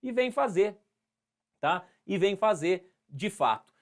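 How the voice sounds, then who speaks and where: High-voiced playful São Paulo history teacher. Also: male voice, sing-song, slow pace. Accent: interior São Paulo. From Brazil. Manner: playful, talks to students by name, acts out scenes. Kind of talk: live online class.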